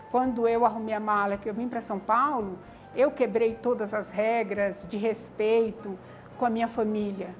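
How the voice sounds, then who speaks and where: An older woman from Maranhão, Brazil, a community founder, recounts her life story in an interview. Her voice is slightly high and somewhat mellow, and she speaks reflectively, often adding tags like "né?" and "tá entendendo?".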